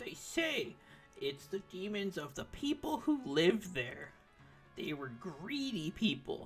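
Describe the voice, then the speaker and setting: In a put-on character voice at middle pitch, the speaker moves at a fairly slow pace with very wide pitch swings over clear background noise. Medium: actual play. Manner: rambling, storytelling.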